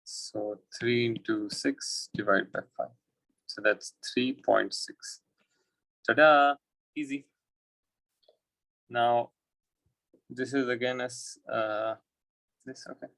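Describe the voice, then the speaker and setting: A man with a South Asian accent teaches as a tutor, solving problems step by step. His voice has a strong creak and sits at a medium pitch. The sound is dry, and he talks informally, thinking aloud in short pieces. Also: flat delivery, slow, fairly bright tone, no echo, rough recording. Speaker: physics tutor. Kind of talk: working through exam questions aloud.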